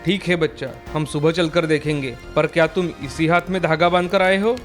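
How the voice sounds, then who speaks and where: Woman doing a gruff old village elder. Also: sits low, steady tone, faint music behind, voice pushed down, natural voice. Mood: explaining. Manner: gruff, scolding, measured. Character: stern old village elder, shrewd and scolding.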